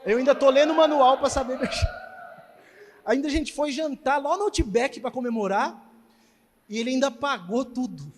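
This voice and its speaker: High-voiced pastor preaching in a hall. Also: male voice, normal speed, long pauses. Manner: animated storytelling, preaching emphatically. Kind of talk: sermon with testimony. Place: church hall. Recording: church hall reverb.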